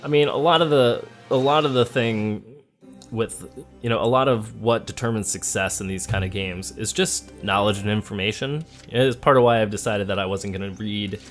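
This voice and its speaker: A man's voice: lowish voice, normal speed. A man hosting a let's play, thinking aloud in casual, conversational game commentary. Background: game music.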